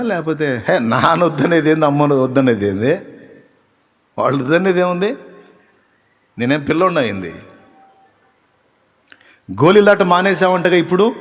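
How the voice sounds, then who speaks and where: A man's voice: fairly high pitch, in a large hall. A male pastor preaching a live sermon, firing rhetorical questions at the congregation and teasing them with acted asides. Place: church hall.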